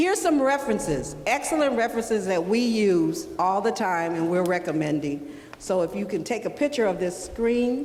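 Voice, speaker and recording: A woman's medium-pitched voice at a moderate pace, with very wide pitch swings, very even loudness and hardly any pauses, over noticeable background noise and audible room echo. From Michigan (Ann Arbor). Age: 70s. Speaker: genealogy presenter. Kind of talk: presentation to public meeting.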